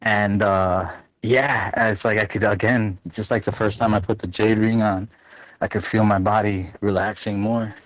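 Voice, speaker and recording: A man's voice: lowish voice, fairly even intonation, normal speed, a bit bright, no room sound. Breathless man rambling on a muffled call. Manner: rambling, many fillers and restarts. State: a little out of breath. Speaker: net participant checking in. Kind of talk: casual check-in on a group call.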